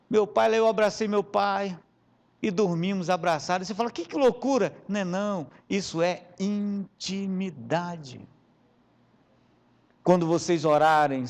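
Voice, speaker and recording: A man preaching as bishop, telling funny personal stories, with sudden loud bursts and hushed asides and questions thrown to the congregation. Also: sits high. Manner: animated storyteller, swinging between loud bursts and hushed asides; addresses the congregation directly with rhetorical questions. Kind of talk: sermon with humorous personal anecdotes.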